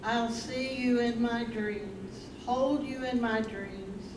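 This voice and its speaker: A woman's voice: fairly high pitch, fairly even intonation, slow pace. A woman delivering song lyrics as part of a staged play reading. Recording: echoey room, far from mic, clear background noise.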